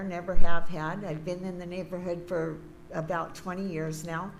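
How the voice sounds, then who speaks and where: A woman's voice: fairly low pitch, vocal fry, a little hiss or hum, poor audio. An older woman neighbor giving a plain-spoken, rambling public comment at a school board meeting, often correcting herself.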